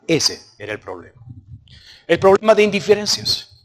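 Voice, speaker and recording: A male pastor preaching and reading scripture aloud, stopping often to ask the congregation what the text says, his delivery swinging between raised and hushed. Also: high voice, sing-song, moderate pace. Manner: prompts the congregation with repeated questions.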